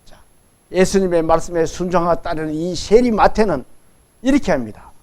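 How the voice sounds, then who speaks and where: A man's voice: high voice, moderate pace, a little mellow. A middle-aged man preaching a sermon as pastor, leading his congregation through Bible readings.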